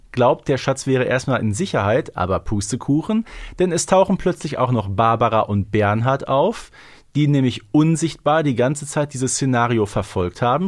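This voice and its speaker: A man co-hosting a podcast, recapping a story in a playful, colloquial, conversational way. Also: medium pitch. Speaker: podcast co-host.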